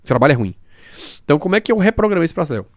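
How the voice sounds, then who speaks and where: Fast, emphatic man hosting a podcast. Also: on the high side, sing-song, no room sound, clean studio sound. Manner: emphatic, explaining with examples; fast-talking. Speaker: podcast host. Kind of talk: casual podcast conversation.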